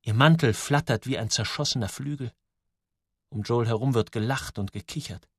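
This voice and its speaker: A man reading a story aloud in scripted narration, with lively, dramatic ups and downs. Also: mid-range voice, normal speed, slightly rough, no echo, studio quality. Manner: lively, dramatic storytelling with sudden drops and rises. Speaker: audiobook narrator.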